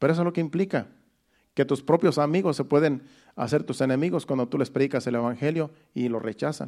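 A man with a Mexican accent speaks at a very fast pace. His pitch is fairly high. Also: ordinary pitch variation. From Mexico, rural. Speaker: pastor. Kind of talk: sermon. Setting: church.

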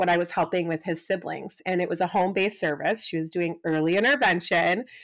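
A woman with an American accent amid noticeable background noise. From US Midwest, Wisconsin. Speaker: speech-language pathology professor. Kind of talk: casual interview.

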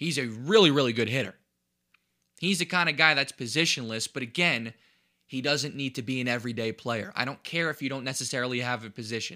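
A man with an American accent speaks very fast at medium pitch, in a bright, sharp tone with ordinary pitch variation. The recording is very clean, with a silent background. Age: 20s. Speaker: sports podcast host. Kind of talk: solo sports commentary podcast.

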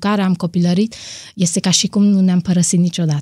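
Over a silent background on a very clean recording, a woman speaks at medium pitch with a dark, mellow tone and a somewhat breathy quality. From Romania, Muscel area. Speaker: perfumer. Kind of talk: interview.

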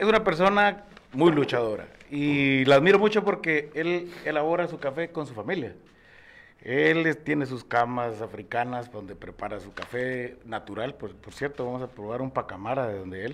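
Speaking at a moderate pace, a man keeps a medium pitch. His voice shows very wide pitch swings and big swings in loudness. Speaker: coffee shop owner. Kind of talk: casual chat. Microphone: far from the mic.

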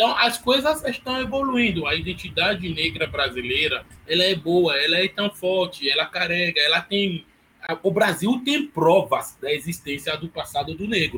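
A man speaks at a moderate pace in a high pitch with very wide pitch swings, over noticeable background noise. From Benin. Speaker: musician. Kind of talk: casual chat. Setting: studio.

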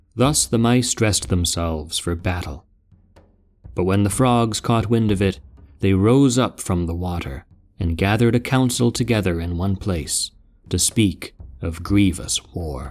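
Over music in the background, a man with a fairly low pitch speaks at a fairly slow pace with lively intonation. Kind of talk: epic poem narration, scripted dramatic reading with character voices. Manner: grand, formal, declamatory, with shifts in voice for each character; animated, dramatic, mock-heroic.

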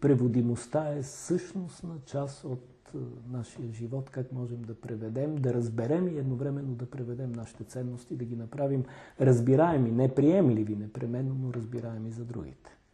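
Moderate-paced talk from a man at medium pitch, his pitch varying in an ordinary way. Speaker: professor of literature and cultural history. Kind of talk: interview. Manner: halting.

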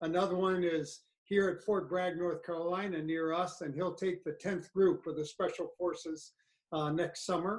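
A man speaks at a moderate pace with an American accent. His pitch is high, and his intonation is monotone and flat. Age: 70s. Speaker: retired army general and 9/11 survivor. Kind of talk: interview.

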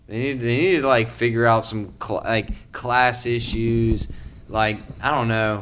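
Medium-pitched male voice, fairly slow and fairly even in intonation, with noticeable background noise. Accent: American. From US South, New Orleans area. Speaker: entrepreneur and youth baseball coach. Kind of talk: casual chat.

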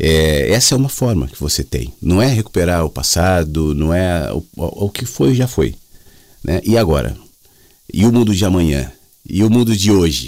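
A man with a very deep, low voice swings his pitch very widely. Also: moderate pace. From São Paulo, Brazil. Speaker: radio host. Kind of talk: live radio show, talking to listeners. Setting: radio studio.

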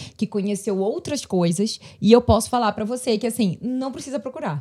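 Somewhat breathy, a woman speaks at a moderate pace with a fairly high pitch and ordinary pitch variation. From Brazil, Rio de Janeiro. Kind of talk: casual interview.

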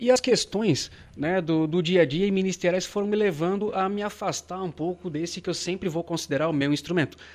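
Captured on a very clean recording with a silent background, a man speaks with ordinary pitch variation. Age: 30s. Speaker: bank worker and church musician. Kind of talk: religious talk show. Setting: studio.

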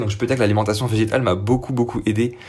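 A man's medium-pitched voice holds fairly even intonation, with noticeable background noise behind it. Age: 20s. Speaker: YouTuber on plant-based eating. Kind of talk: interview testimony. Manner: halting.

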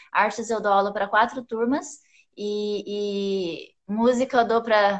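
The background is quiet as a woman speaks very slowly, her pitch varying in an ordinary way. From Brazil, Mato Grosso do Sul and São Paulo state. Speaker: music teacher and missionary. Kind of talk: casual interview over video call.

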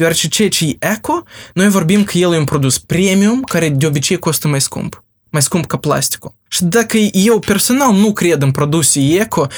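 The intonation is lively in this normal speaking voice. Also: man. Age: 20s. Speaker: agritech entrepreneur. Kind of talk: interview.

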